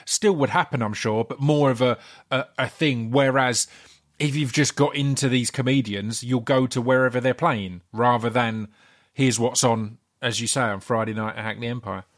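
A man's voice: mid-range voice, steady tone, moderate pace. A man who hosts a podcast and asks questions casually, often restarting his sentences. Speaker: podcast host. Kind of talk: casual interview.

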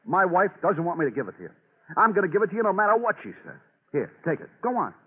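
A man's voice: high voice, big pitch swings, husky, heavily acted. An actor playing a meek, nervous husband who stammers through his story in a 1950s radio drama. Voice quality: halting, stammering. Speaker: suspect. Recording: tinny old radio broadcast.

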